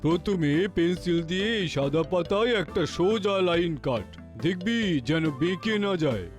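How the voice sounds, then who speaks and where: An excitable male schoolteacher in a cartoon. His voice is high and lively, jumping about as he scolds and encourages. He repeats words for emphasis, with faint music behind him. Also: moderate pace. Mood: encouraging. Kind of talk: cartoon voice acting.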